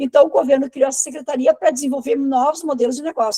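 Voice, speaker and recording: The sound is dry and close with no echo. A woman talks at a very fast pace with a high pitch, ordinary pitch variation and a dark, mellow tone. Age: 60s. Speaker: municipal innovation secretary. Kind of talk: panel discussion. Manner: animated, with many hesitations and repetitions.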